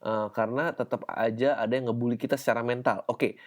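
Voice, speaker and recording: A young man hosting a casual solo podcast, playful and quick to laugh, sometimes mimicking other people's voices. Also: medium pitch, steady tone. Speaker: podcast host.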